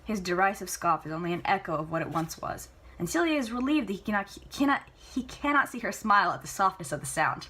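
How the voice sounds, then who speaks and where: A woman's voice: mid-range voice, very animated, fast talker, sharp tone, slightly rough. A woman reading a novel aloud as an amateur storybook narrator. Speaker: amateur book reader. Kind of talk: storybook narration with casual asides.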